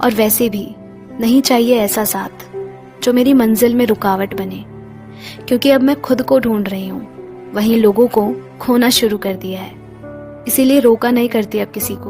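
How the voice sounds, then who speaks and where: A woman's voice shows big swings in loudness. Music plays in the background. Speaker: poetry reader. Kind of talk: Hindi self-love poetry reading.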